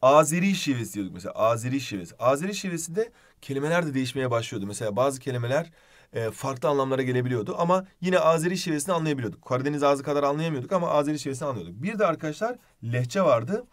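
A man's voice: mid-range voice, expressive, rapid-fire. A man teaching a literature lesson online, explaining step by step and addressing students as friends while writing on the board.

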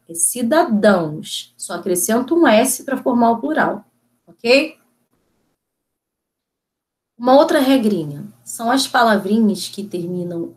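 Slow, patient woman teacher. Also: mid-range voice, a little mellow. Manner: slow, patient explaining with frequent checks. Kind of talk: video lesson on grammar.

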